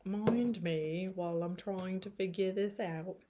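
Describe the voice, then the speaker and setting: A woman's voice: mid-range voice, a little slow, noisy background. A woman with a Pennsylvania accent, chatting casually and giggling often as she leads a tarot reading. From United States. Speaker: tarot reader. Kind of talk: casual chat.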